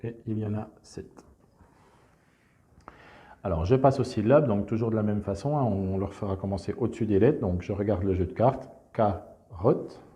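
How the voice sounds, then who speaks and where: A man calmly walking teachers through a classroom exercise, explaining step by step with frequent verbal fillers. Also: on the low side, normal speed. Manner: calm explanatory, frequent "donc" and "hein". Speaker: teacher presenting a reading method. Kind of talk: instructional screencast walkthrough.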